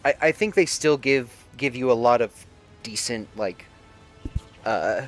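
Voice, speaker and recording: A man giving informal, halting, sometimes profane commentary while livestreaming a video game. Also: mid-range voice, lively intonation. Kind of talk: casual gameplay commentary with lore asides. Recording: game music behind the voice. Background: video game music and sound.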